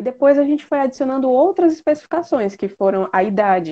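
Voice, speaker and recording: A woman's voice with lively intonation. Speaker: university student presenting a text. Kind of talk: class presentation. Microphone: connection briefly cut out.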